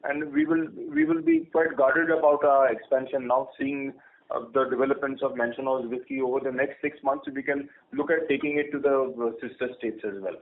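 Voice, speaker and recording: A man with an Indian accent answers as an executive on a conference call. He explains in a measured way at a medium pitch, heard through a narrow telephone line. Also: animated, gravelly, a little hiss or hum. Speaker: company executive answering questions. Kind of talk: earnings call Q&A.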